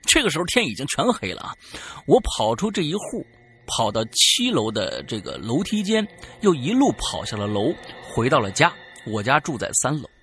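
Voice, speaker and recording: A man co-hosting a podcast, reading a listener's ghost story aloud in a dramatic way that swings between loud and hushed. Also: medium pitch, huge pitch swings, normal speed, a little hiss or hum. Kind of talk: spooky storytelling.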